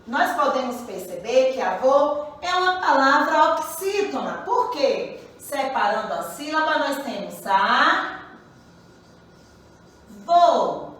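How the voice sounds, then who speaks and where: A woman's voice: high-pitched, sing-song, a bit bright, heavy reverb, far from the mic, rough recording. A woman teaching a grammar lesson to children, patient, often checking in with her pupils. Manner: slow, patient, repeats questions to pupils. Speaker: primary school teacher.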